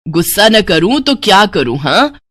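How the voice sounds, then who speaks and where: A woman's voice: mid-range voice, very animated, unhurried, fairly bright tone, dry recording. A woman voicing an exasperated, scolding middle-aged mother in a storybook tale. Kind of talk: storybook voice acting.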